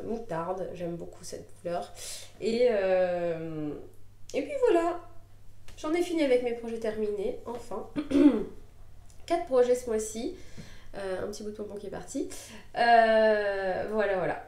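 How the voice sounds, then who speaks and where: A woman's voice: medium pitch, slow pace, mellow. A woman chatting hesitantly with many fillers and restarts in a casual knitting vlog, just over a cold. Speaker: knitting podcaster. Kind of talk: casual show-and-tell vlog. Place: at home, knitting on camera. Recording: echoey room.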